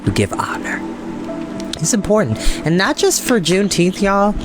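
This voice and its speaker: A man's voice: high-pitched, sing-song, moderate pace. An American man hosting a storytime show, talking informally and earnestly to online viewers with emphatic, repeated phrases. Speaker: host of a storytime reading show. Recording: soft meditation music behind the voice. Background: meditation music.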